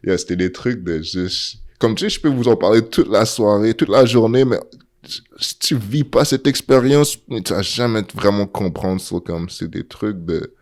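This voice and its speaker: A young man from Montreal with a Quebec French accent, telling stories as a podcast guest in animated casual chat, mixing in English slang. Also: lowish voice, normal speed. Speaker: guest football player.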